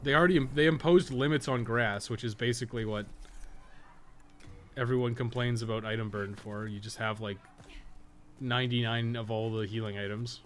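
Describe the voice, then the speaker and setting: A man giving casual, rambling live commentary as he plays a game, thinking out loud and swearing freely. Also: mid-range voice, steady tone, fairly quick, a little hiss or hum. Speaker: game streamer and guide maker.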